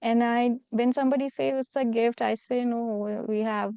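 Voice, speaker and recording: A woman with an Indian accent talks in a conversational interview style. Her voice is smooth and on the high side. The sound is close and dry but slightly dull. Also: steady tone, moderate pace, dark tone, dry recording. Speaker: spiritual healer, interview guest. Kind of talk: conversational interview, personal storytelling.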